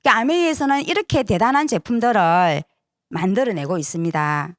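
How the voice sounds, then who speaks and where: A woman's voice: medium pitch, a little fast, dry recording, studio quality. A woman presenting a sales seminar to an audience, persuasive, often asking for agreement with short tag questions.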